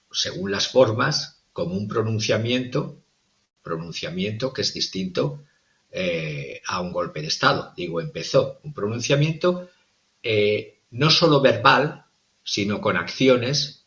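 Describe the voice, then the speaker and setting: Low-voiced male analyst, dull audio. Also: a bit bright. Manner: formal and methodical, with frequent hesitations. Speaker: political analyst guest. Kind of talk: analytical commentary.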